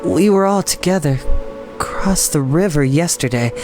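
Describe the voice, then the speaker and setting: A man's voice: a little high, animated, a little slow, over music. A man voicing an anxious, stubborn young man in a storybook. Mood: insistent.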